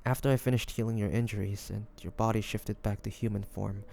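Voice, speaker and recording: In a romantic audio roleplay, a man plays a devoted, anxious young man tending his wounded dragon-shifter beloved, addressing the listener with tender hesitation and breathy sighs. His fairly low, darkish voice is fairly quick and fairly even in intonation, and the mood is relieved and loving.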